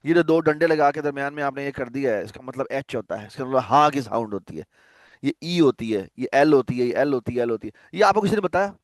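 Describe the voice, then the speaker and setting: A man with a mid-range voice talks quickly while teaching programming over a video call. The lecture is relaxed and conversational, and he regularly checks that students are keeping up. The audio is studio quality with no echo.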